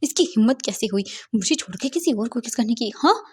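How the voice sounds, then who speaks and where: A woman voicing a hot-headed, jealous young man who stammers and shouts threats, with a husky voice. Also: very high-pitched, expressive, fairly quick, full character voice. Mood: furious. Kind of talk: dramatic fanfiction storytelling.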